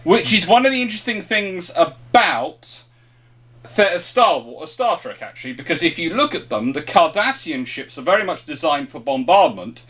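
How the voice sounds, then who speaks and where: A man's voice: a little high, big pitch swings, normal speed, fairly bright tone. A man hosting an informal question-and-answer chat, explaining things off the cuff and often rephrasing mid-thought. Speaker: host of a history question-and-answer show.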